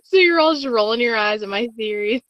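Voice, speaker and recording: Higher-pitched woman chatting, slightly dull sound. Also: lively intonation, a little fast, no echo. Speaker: guest host of a podcast. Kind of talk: casual chat.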